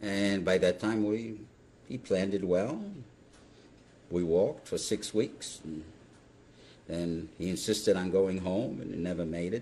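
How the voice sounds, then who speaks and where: Speaking at a fairly slow pace with long, frequent pauses, a man delivers his words in a dark, mellow tone. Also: ordinary pitch variation. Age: 70s. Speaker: Holocaust survivor. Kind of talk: oral history interview. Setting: outdoors. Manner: halting.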